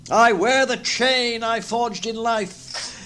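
A man's voice: extremely high pitch, bright, forceful tone, a little hiss or hum, voice pushed up, heavily acted. A man voicing Marley's wailing, chained ghost. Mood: mournful. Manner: wailing, drawn-out, theatrical delivery. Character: Marley's ghost, a wailing, chained, remorseful old male spirit.

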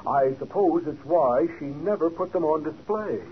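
An actor playing a hesitant, fussy store clerk in a 1940s radio drama. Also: male voice, on the high side, moderate pace, husky. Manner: hesitant, full of uhs. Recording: dull old radio broadcast with hiss.

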